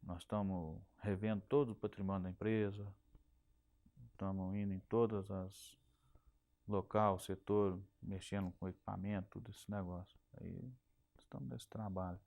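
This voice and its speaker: Here a middle-aged man with a Minas Gerais Brazilian Portuguese accent, an interviewee who worked as a telephone company technician, recounts his working life for an oral history project. His low voice is gravelly yet a little mellow, with fairly even intonation and a moderate pace, and he keeps repeating and restarting words.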